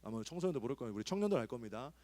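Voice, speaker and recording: Animated man preaching in a big church hall. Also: mid-range voice, very fast. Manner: animated preaching, swings from soft asides to loud calls to pray. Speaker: pastor. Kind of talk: sermon at a youth retreat. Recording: hall with long reverb.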